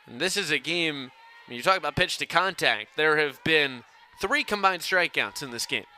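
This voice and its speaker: Young male sportscaster, live play-by-play, sharp ringing tone, projected delivery, faint venue ambience. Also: on the high side, normal speed. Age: young adult. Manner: projected, excited on big plays. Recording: faint ambient outdoor noise behind.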